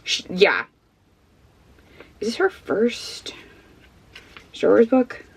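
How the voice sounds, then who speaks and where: A woman's voice: mid-range voice, big pitch swings, drawn-out words, creaky, husky. A woman vlogging at home, chatting casually and rambling through frank book opinions, sniffly and losing her voice. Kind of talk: casual book review chat.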